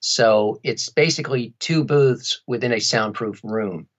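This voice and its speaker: A man's voice: medium pitch, measured pace. A middle-aged man talking conversationally and a little wryly as an interview guest. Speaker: interview guest, audiobook narrator.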